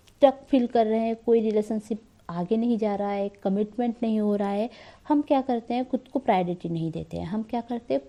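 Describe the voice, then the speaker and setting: On her own spiritual channel, a woman gives a casual, conversational talk to the camera, posing rhetorical questions. Her voice is mid-range and dark in tone, and she's slightly unwell, coughing now and then.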